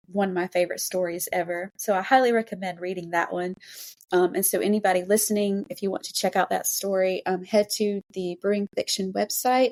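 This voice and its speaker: An effusive woman hosts a casual interview podcast. Her voice sits at a medium pitch as she chats with her guest. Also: darkish tone. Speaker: podcast host.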